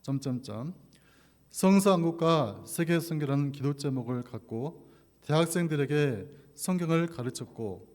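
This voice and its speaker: A man's voice: a little high, a little mellow. A man preaching as a pastor at a church service, speaking from the pulpit in an echoey hall. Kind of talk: sermon with scripture reading and prayer. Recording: echoey hall with long reverb.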